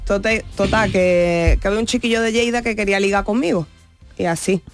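A woman comedian from Jerez with an Andalusian accent, telling stories with lively chatty flair as a guest in a radio studio. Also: medium pitch, fairly quick, faint music behind. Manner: lively, chatty storyteller with playful diminutives. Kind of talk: radio interview.

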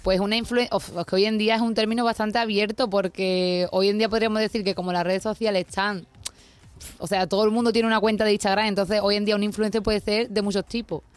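A woman's voice: medium pitch, fairly even intonation, quick pace. Chatty Andalusian woman on the radio. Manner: spontaneous, chatty, laughs easily. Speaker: guest, makeup influencer. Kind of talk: radio interview.

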